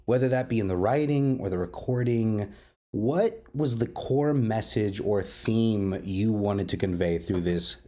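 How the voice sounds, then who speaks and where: A man's voice: on the low side, measured pace, mellow. A man hosting a roundtable interview, effusive and enthusiastic, repeating words as he searches for the next one. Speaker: podcast host interviewing creators.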